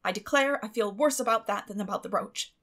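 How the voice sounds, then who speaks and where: A woman voicing a stern, suspicious middle-aged farm woman with a sharp, grim way of talking in an audiobook. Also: mid-range voice, fairly quick. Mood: troubled. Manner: sharp, grim, clipped scolding.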